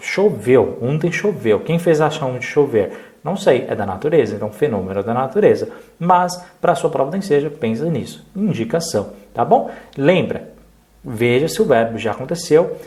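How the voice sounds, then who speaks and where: A man's voice: mid-range voice, a little mellow. A Brazilian Portuguese-speaking man teaching an exam review lesson, explaining step by step and checking in with short tag questions.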